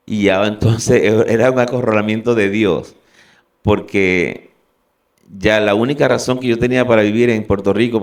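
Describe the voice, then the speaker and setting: A man from Venezuela giving an earnest, halting personal testimony as a guest. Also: on the low side, far from the mic.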